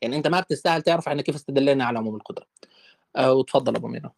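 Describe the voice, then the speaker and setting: A gravelly, medium-pitched male voice, recorded at studio quality with no room sound. The man hosts a casual online debate, peppering it with animated, rapid-fire rhetorical questions.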